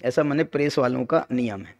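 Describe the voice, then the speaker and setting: A man giving a discourse on Jain scripture at an ashram, chanting verses slowly and teasing his listeners with jokes. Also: mid-range voice, expressive, darkish tone. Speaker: scripture teacher. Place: ashram hall. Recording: long hall reverb.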